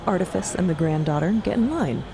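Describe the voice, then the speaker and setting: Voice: mid-range voice, expressive, brisk, vocal fry, noisy background. A narrator telling a scripted story theatrically, with conversational, wry asides.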